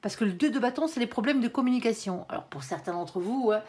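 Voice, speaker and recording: A slightly high-pitched woman giving a relaxed tarot reading straight to her audience. She rambles in a colloquial way, leans on small verbal fillers and tag words, and thinks aloud as each card comes up. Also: fast talker. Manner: chatty, colloquial, full of "hein" and "euh" fillers, addresses the viewer as "mon ange"; thinks aloud while turning cards, with self-corrections and laughs. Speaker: tarot reader. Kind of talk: casual tarot reading for viewers.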